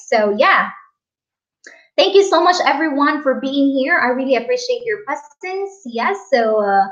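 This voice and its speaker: Streaming live from a small room, a young Filipina who teaches English chats casually with her viewers and reads their comments out loud. Her voice sits high with a fairly bright tone, and the recording has its highs cut off.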